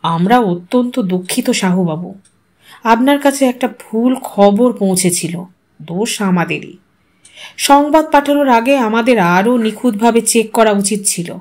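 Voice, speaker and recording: A woman voicing a courteous, apologetic male army colonel in an audio story, speaking formally and gravely. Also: on the high side, animated, measured pace, a little mellow.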